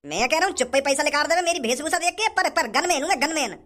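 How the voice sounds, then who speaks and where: A man's voice: very high-pitched, animated, quick pace, bright, forceful tone, full character voice. A man voicing a blustering male street goon who threatens to rob someone. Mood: menacing.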